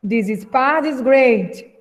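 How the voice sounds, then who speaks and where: Woman teacher on a video call, high voice, very slow, careful diction, long reverb. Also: expressive. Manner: slow, carefully enunciated English for repetition. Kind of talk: online class, taking roll and modelling English dialogue.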